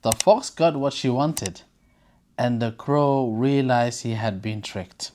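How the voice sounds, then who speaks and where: A storyteller reading aloud for children and chatting casually to viewers in an expressive, informal, encouraging way. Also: mid-range voice, slow pace, slight background noise. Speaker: storyteller and presenter.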